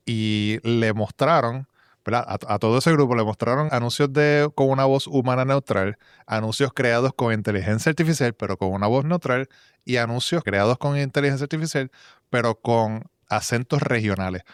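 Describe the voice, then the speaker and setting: Man, podcast co-host, casual chat, smooth clear voice, dry close mic. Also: mid-range voice, dry recording. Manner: thinks aloud with frequent restarts and fillers.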